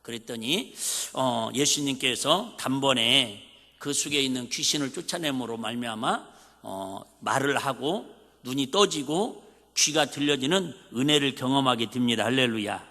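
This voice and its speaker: Bright-voiced Jeolla-accented pastor preaching. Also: male voice, mid-range voice, moderate pace. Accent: Jeolla Korean. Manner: folksy, conversational preaching with rhetorical questions. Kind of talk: sermon. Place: church sanctuary. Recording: reverberant church hall.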